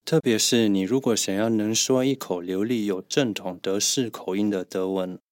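A man co-hosting a podcast as a German teacher, calmly and methodically explaining pronunciation. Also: fairly low pitch, moderate pace, dry recording, studio quality. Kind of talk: podcast language lesson.

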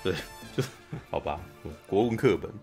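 A man's voice: low-pitched, expressive, moderate pace, vocal fry, darkish tone, faint music behind. A man with a Taiwanese accent in casual podcast chat, blunt and joking, swearing lightly as he goes. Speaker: film podcast co-host.

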